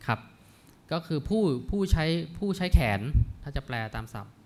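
A man's voice: a little high, animated, slight background noise. Thai man reciting and explaining old verse. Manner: recites verse slowly, then explains words with polite particles. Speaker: academic panelist.

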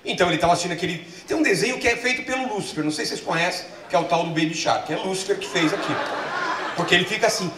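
A man's voice: high-pitched, rapid-fire. A middle-aged man from Brazil doing a stand-up set, telling stories and acting out the voices. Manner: animated storytelling with acted-out voices. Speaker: stand-up comedian. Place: comedy festival stage. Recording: roomy live stage sound.

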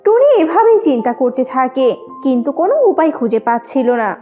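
A woman's voice: high-pitched, very animated, brisk, mellow, dull audio, soft background music. A woman narrating a scripted children's cartoon story.

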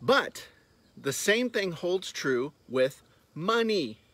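Fifties male business coach, higher-pitched voice, blunt sarcastic vlogger, outdoor phone-mic sound. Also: very animated, slow pace, fairly bright tone. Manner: blunt, sarcastic, jokey outbursts. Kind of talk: casual talking-head vlog. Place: outdoors on a farmyard. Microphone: phone held at arm's length.

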